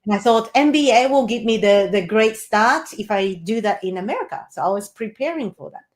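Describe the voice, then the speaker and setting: A woman's voice: fairly high pitch, animated, a little fast. A woman in her forties whose first language is Japanese, chatting as a guest in an interview, with many fillers and frequent laughs. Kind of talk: casual interview conversation.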